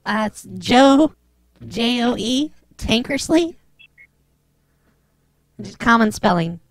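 A man's voice: very high voice, animated, slow pace, voice pushed up, exaggerated voice. A man speaking through a voice changer to play a brusque female parcel office receptionist during a prank call. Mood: dismissive. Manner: snippy, dismissive, swears when pushed. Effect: voice changer making him sound like a woman. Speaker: prank caller.

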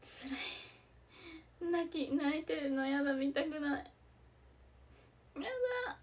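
Young woman, slightly high voice, casual live-stream commentary, excitable, reacts aloud, sometimes whispers. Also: unhurried. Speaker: idol streaming live reactions to a baseball game.

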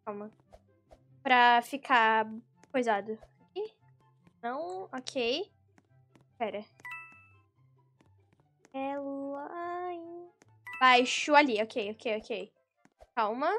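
A young Brazilian woman commentating her own gameplay, with excitable, exasperated outbursts. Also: high voice, drawn-out words, pauses often, faint music behind. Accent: Brazilian Portuguese. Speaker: gaming YouTuber.

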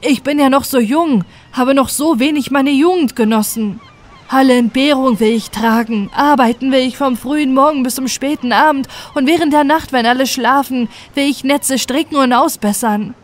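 A woman's voice: sits high, normal speed, pitched above the performer's own voice, lightly acted. A woman voicing a desperate young shipwrecked man, pleading and lamenting in a bedtime fairy tale. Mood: anguished lament.

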